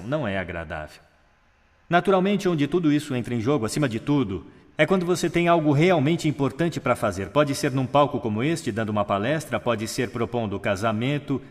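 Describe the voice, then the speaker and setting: A man giving a stage talk on voice technique, demonstrating shifts in pitch, pace and volume. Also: big-room sound. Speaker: speaker on public speaking. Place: large hall on a stage.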